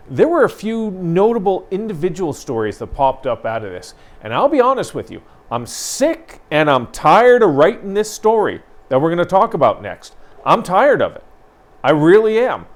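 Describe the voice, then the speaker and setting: A man, co-hosting a local news talk show, speaking earnestly and with emphasis. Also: medium pitch. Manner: earnest, emphatic, builds to frustration. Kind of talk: conversational news commentary.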